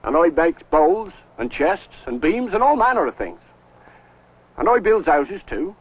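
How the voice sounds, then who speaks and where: An actor playing a humble, hard-working medieval village carpenter with rustic archaic speech, on an old educational film. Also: male voice, a little high, sing-song, a little slow, breathy edge, heavily acted. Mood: plain, proud. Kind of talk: educational film historical acting. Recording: muffled old 16mm film soundtrack.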